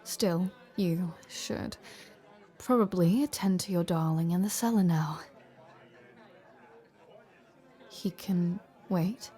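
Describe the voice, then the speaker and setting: A woman playing an icy war general softened by love in an audio roleplay, speaking in a hesitant, breathy, confiding way, wistful and vulnerable. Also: lowish voice. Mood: sheepish. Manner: hesitant, halting, breathy half-whispered confiding. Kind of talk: dramatic audio roleplay acting, intimate confiding dialogue.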